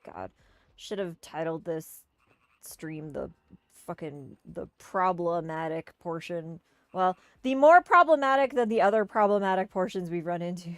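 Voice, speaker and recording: A woman streaming a game and reading its dialogue aloud, slipping playfully into goofy high voices for the characters. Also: animated, unhurried, dry recording, clean studio sound. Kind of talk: casual let's-play with read-aloud character voices.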